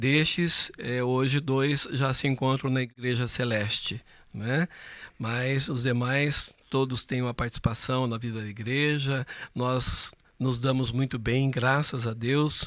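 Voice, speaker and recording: Speaking at a very slow pace, a man with a medium pitch and a bright, sharp tone keeps his intonation monotone and flat. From Brazil, interior of São Paulo state. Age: 60s. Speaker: permanent deacon. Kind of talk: podcast interview, personal testimony. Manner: hesitant, many filler 'é'.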